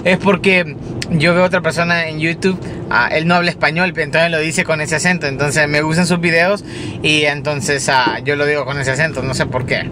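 A man's voice: fairly high pitch, fairly even intonation, moderate pace, background noise. A man chatting casually in a daily vlog, rambling with fillers and restarts while driving. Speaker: vlogger. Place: in a car, driving.

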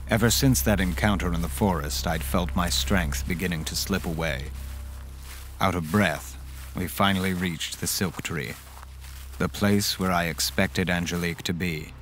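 An actor playing an earnest, haunted man who recounts his horror story in measured, dramatic first-person audio drama narration. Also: sits low, fairly bright tone. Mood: weary, foreboding.

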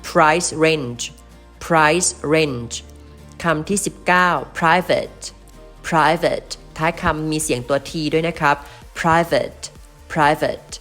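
A male English teacher who says each vocabulary word slowly, several times over, with careful stress, then reads a passage aloud. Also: a little high, fairly even intonation, pushed and bright, faint music behind. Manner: slow, deliberate repetition of each word, emphatic stress. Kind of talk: vocabulary pronunciation drill and reading aloud.

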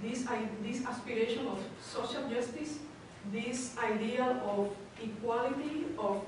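Panelist, woman, higher voice, recorded from far off in an echoey room with background noise. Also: a little slow. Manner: hesitant, many fillers and restarts. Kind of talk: academic panel talk. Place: lecture room. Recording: echoey hall from far off, noisy.

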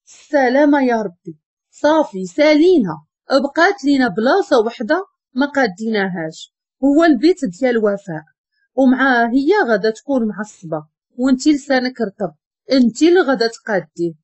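A woman's voice: high-pitched, expressive, fairly quick, a little mellow, no echo. A woman doing a bossy, scolding Moroccan matron. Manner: scolding, commanding. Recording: dull lo-fi recording.

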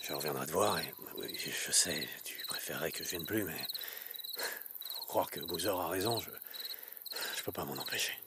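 An actor playing a gruff, world-weary biker survivor in a video game, speaking in a casual, muttering way. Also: male voice, deep voice, normal speed, close to an everyday voice. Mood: subdued, regretful. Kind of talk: naturalistic video game acting. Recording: clear background noise, insects and clicks.

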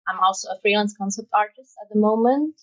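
A woman's voice: mid-range voice, quick pace. Czech-accented young woman, distant dull mic. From Czech Republic. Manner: chatty, laughs often, many fillers. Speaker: guest, matte painter. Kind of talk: casual podcast interview.

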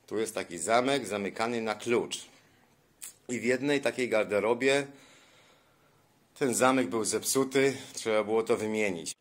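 Brief: a lower-pitched man vlogging through a house, dryly exasperated about botched repairs, recorded on a handheld phone. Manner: exasperated, sarcastic complaining. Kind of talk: narrated house walkthrough. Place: indoors, rooms of a house.

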